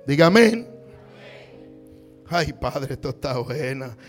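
A man preaching a sermon, calling on the congregation to repeat after him and rising to shouts. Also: mid-range voice, expressive, takes it slowly, faint music behind. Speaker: pastor.

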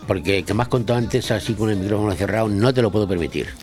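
Low-voiced joking Spanish radio host. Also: male voice, racing, darkish tone, faint music behind. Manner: joking, playful, teasing the guest. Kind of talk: radio chat interview. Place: radio studio.

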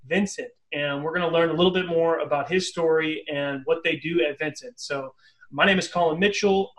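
A man hosts a business interview show in an upbeat, casual way. His voice sits a bit high, and he often repeats words and says "um" as he frames his questions. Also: fairly bright tone, poor audio. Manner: upbeat, many fillers and repeats. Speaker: podcast host.

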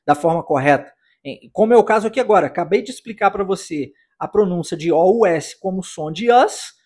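Upbeat Brazilian man teaching English. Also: sits high. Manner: upbeat, drills phrases slowly for repetition. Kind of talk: English lesson for Portuguese speakers.

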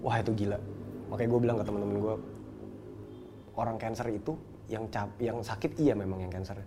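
Fast-talking man telling a story. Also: on the low side, noisy background. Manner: slangy Jakarta street talk, quick and storytelling. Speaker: guest telling a personal story. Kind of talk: casual chat.

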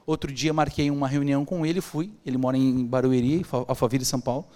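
A man with a Brazilian Portuguese accent telling a personal story as a podcast guest, acting out the dialogue in an animated way. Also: mid-range voice, fast. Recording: long hall reverb.

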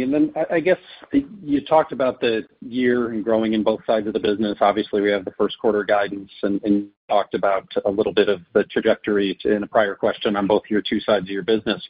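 A man with a husky, lowish voice asks questions as a financial analyst. He is on an earnings call, and the line sounds slightly dull. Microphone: conference call line.

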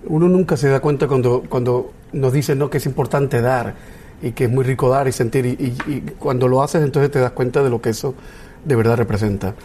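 A man hosting a television interview who asks one probing follow-up after another. He talks fast in a mellow, relaxed voice. A faint ambience sits behind him. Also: medium pitch, slight background noise. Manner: inquisitive, quick follow-up questions. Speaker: TV talk show host.

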